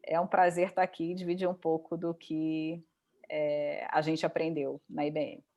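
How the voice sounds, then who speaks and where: A woman's voice: deep voice, level tone, moderate pace, darkish tone, dull audio. A woman in her forties with a Rio de Janeiro Brazilian accent, a human resources director introducing herself on a panel.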